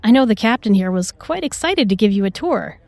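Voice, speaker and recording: A woman's voice: medium pitch, big pitch swings, a little fast, creaky, darkish tone, no echo. A woman acting a self-assured, protective starship doctor in a sci-fi audio drama, composed and pointed in her delivery. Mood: politely probing.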